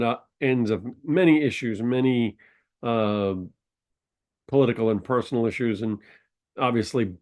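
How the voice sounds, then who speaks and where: Here a man with a fairly low, darkish voice hosts a podcast. He sounds nasal and congested because of a sinus infection and tells his story casually and ramblingly, with frequent ums and uhs.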